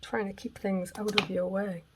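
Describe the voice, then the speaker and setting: A woman with a raspy voice hosting a casual craft tutorial at home, thinking aloud and sometimes dropping to a whisper as she works. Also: medium pitch, level tone, normal speed, background noise. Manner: chatty, thinking aloud while working, drops to whispers. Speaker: craft channel host. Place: home craft room on a gray day. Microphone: camera mic, moves close and away while working.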